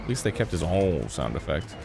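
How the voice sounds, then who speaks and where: A man's voice: sits low, big pitch swings, fairly quick, vocal fry, over music. A man giving laid-back, reassuring commentary while his co-host plays a video game. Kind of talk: casual gameplay commentary.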